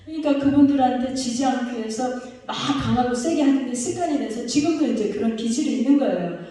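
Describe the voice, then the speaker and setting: A woman's voice: high voice, quick pace, warm tone. A woman pastor preaching a sermon, often putting questions to her congregation. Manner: asks the congregation rhetorical questions. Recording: echoey hall, voice from far off.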